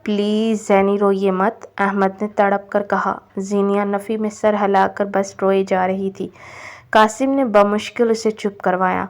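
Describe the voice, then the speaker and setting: A woman narrating a novel aloud in an even, measured reading manner. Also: medium pitch. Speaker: novel reader.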